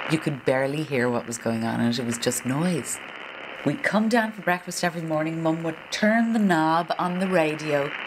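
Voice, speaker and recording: A woman's very deep, low voice in a Dublin accent, lively in intonation, over noticeable background noise. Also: moderate pace. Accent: Dublin Irish. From Ireland, Dublin. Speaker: visual artist. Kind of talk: interview.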